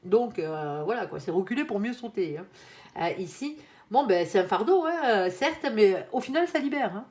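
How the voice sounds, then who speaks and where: A woman's voice: mid-range voice, lively intonation, moderate pace, darkish tone. A woman reading tarot cards for her viewers in a chatty, casual way, often tagging her sentences with little asides. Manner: chatty, constant "hein", playful asides. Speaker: tarot reader.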